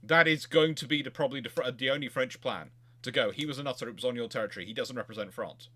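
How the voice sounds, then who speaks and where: A man's bright, forceful voice in a casual discussion of history. He explains haltingly, doubling back and rephrasing as he goes, in the role of a host taking questions. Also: mid-range voice. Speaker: host answering viewer questions.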